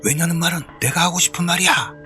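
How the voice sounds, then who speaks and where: A man voicing a terrified, furious young man shouting at a ghost in a horror story. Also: medium pitch, brisk, faint music behind, close to an everyday voice. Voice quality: shouting, panicked.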